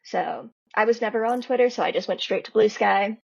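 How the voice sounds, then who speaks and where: A woman speaking as a guest writer, in relaxed conversation or reading her fiction aloud. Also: mid-range voice, a little fast, creaky, breathy edge. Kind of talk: story reading and casual interview talk. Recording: dull lo-fi recording.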